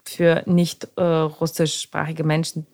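A woman's voice: low-pitched, completely flat delivery, slow, a little mellow. A woman hosting a podcast, explaining her thoughts at length in casual conversation with many fillers. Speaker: podcast host.

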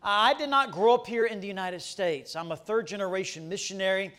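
A man's voice: sits high, brisk, pushed and bright. A middle-aged man who grew up in the Bahamas, giving a folksy, joking testimony as a missionary preacher in a church. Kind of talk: sermon testimony. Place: church sanctuary.

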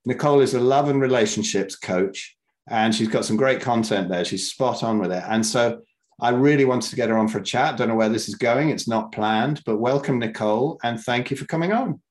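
A male podcast host chatting loosely with his guest. He often stumbles into repeated words and restarts, and his voice lifts when he gets excited. His pitch sits in an ordinary middle range. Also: brisk. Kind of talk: casual interview chat.

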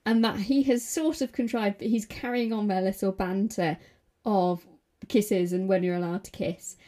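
A woman, a priest co-hosting a podcast, briskly recapping an episode in casual chat. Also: mid-range voice, steady tone, dark tone.

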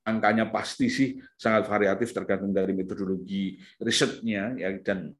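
A man lectures parents and teachers in an informal seminar. He rambles through fillers and restarts, then climbs to sharp emphatic peaks. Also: fairly low pitch, fairly even intonation, normal speed.

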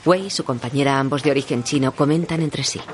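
A narrator calmly reading audio description of the scenes between lines of dialogue. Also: medium pitch, quick pace, a little hiss or hum. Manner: even, descriptive.

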